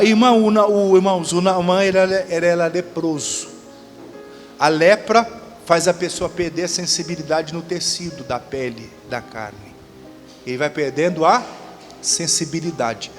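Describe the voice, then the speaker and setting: A man with a Brazilian accent, a pastor, preaching and telling stories while calling on the congregation to answer. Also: a little high. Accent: Brazilian Portuguese. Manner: storytelling with call-and-response to the congregation. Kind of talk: Pentecostal-style sermon. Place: church hall during a service. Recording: audio of a church service with long reverb and music.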